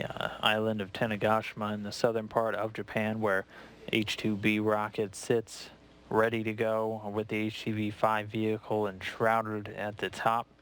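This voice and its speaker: An American man giving live launch commentary in a measured, matter-of-fact way. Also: on the low side, fairly bright tone.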